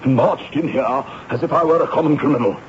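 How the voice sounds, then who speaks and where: A man's voice: a little high, fast talker, close to an everyday voice. An actor playing a self-important, outraged clergyman in a radio drama. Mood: indignant. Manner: pompous, outraged. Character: indignant, self-important reverend. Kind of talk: 1970s radio drama acting. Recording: dull radio recording with faint noise.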